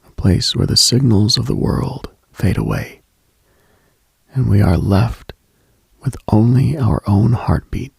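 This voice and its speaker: A late-night radio host, a man with a very low voice full of heavy vocal fry. He muses in a hushed, husky murmur, leaving long pauses, recorded close and dry. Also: no room sound. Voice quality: husky, gravelly, breathy. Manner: hushed, musing, pausing often. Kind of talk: slow late-night mystical radio monologue, ASMR-like.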